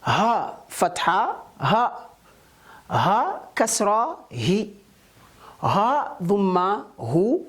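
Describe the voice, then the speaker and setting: A woman with a Kenyan accent teaching Arabic short vowels, reciting letters and syllables one by one in a slow, deliberate drill. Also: medium pitch. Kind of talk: slow spelling drill lesson.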